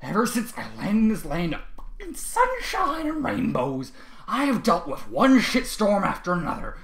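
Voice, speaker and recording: A man's voice: very high voice, sing-song, brisk, a bit bright, pitched above the performer's own voice, heavily acted. A man voicing a volatile, foul-mouthed human man who screams and swears in long rants, recorded in an echoey room. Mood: raging.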